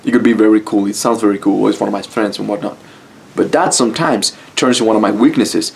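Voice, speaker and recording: A man's voice: lowish voice, fast talker, creaky, slight background noise. A man from Mexico with a Mexican Spanish accent, speaking English as a second language, giving a blunt, casual motivational talk to camera and swearing freely. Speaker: YouTube style coach.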